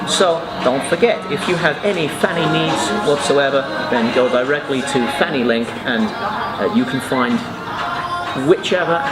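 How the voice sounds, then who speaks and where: A man co-hosting a vlog, reading a sponsor message in a deliberate way. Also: medium pitch, a loud crowd. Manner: deliberate, spells things out. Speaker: co-host. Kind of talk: sponsor read in casual chat. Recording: roomy, loud music behind.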